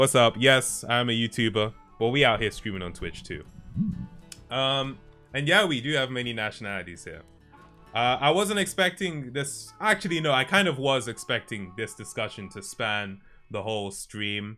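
Faint music plays in the background as a man speaks at a medium pitch with a bright, sharp tone. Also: lively intonation, moderate pace.

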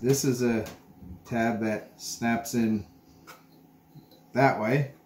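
A man speaks at a very slow pace with ordinary pitch variation. There is light background noise along with audible room echo. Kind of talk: tutorial. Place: workshop.

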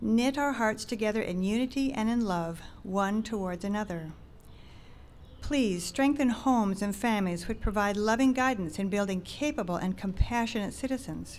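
Her pitch fairly high with ordinary variation, a woman talks at a moderate pace. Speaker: religious leader offering a prayer. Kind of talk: fervent prayer. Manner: formal, reverent. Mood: solemn, reverent. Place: garden. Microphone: podium.

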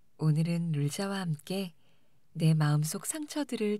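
Somewhat breathy and soothing in tone, a woman with a fairly low voice speaks at a fairly slow pace in a very clean recording with a silent background. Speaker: audiobook reader. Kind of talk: guided meditation. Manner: soft, slow, soothing and comforting.

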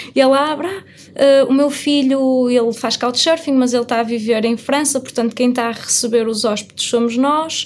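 A woman's high-pitched voice with fairly even intonation at a moderate pace. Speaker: interview guest. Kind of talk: interview answer. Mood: amused, storytelling. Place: studio.

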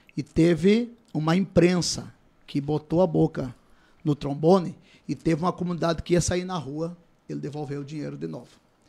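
A man with a fairly high pitch and a dark, mellow tone speaks at a moderate pace, his pitch varying in an ordinary way. His loudness swings widely, and he pauses long and often. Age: 50s. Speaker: politician and pastor; candidate. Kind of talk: radio interview. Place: studio. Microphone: studio mic.

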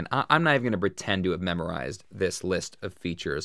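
A man speaks with lively intonation. The sound is dry with no echo, and the background is quiet. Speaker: tech reviewer. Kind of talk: product review commentary. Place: studio.

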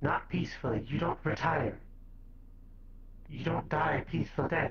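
The speaker talks at a moderate pace. Clear background noise can be heard. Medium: machinima. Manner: calm, grave, frank.

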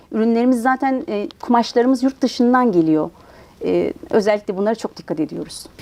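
With an ordinary speaking voice, a woman talks at a fairly quick pace in a fairly high pitch with lively intonation. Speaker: clothing company co-founder. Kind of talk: interview.

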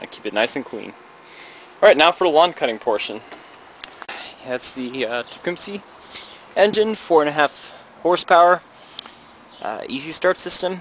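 A man at a moderate pace with long, frequent pauses and big swings in loudness, a dry sound with no echo and light background noise. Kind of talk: casual vlog chat. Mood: relaxed, mildly disappointed. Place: garden. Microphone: phone near.

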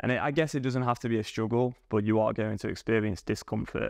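A man with an English accent, fairly even intonation, dry sound with no echo and a quiet background. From England. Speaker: life coach. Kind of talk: educational monologue. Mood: calm, earnest, reflective.

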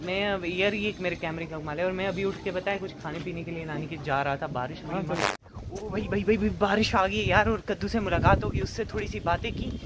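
Over noticeable background noise, a man with a high pitch talks at a moderate pace, with ordinary pitch variation and hardly any pauses. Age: 20s. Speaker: vlogger and college student; vlogger. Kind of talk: casual vlog. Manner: animated. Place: street. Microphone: phone near.

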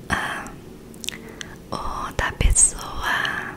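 A woman whispering in a calm tone. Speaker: ASMR creator. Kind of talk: ASMR sleep therapist role play with breathing guidance. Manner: calm, soft-spoken. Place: home room. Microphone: studio mic.

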